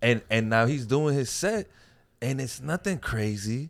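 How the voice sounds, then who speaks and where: An unremarkable speaking voice, this man's medium pitch and American accent carry lively intonation at a moderate pace over a very clean recording with a silent background. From Boston, Massachusetts (Dorchester). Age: 30s. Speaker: comedian and puppeteer. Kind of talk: casual chat. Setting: studio.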